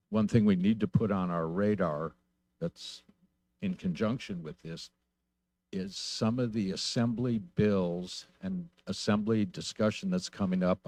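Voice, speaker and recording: An American man speaking as a council member, giving a meeting report in a halting way with frequent pauses. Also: deep voice, darkish tone. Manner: halting, pausing delivery.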